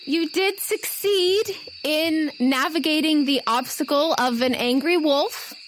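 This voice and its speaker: A woman's voice: sits high, slow pace, slight background noise, rough recording. A woman narrating a tabletop role-playing game as its game master.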